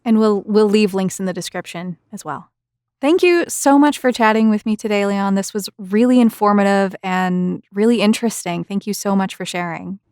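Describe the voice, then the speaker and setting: A woman with a mid-pitched voice, recorded close and dry with little room sound. She speaks as a podcast host and interviewer, courteous and conversational. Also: normal speed, a little mellow, smooth, dry recording.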